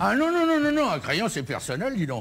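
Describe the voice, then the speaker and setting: A man speaks at a moderate pace with very wide swings in pitch over noticeable background noise. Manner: indignant, protesting.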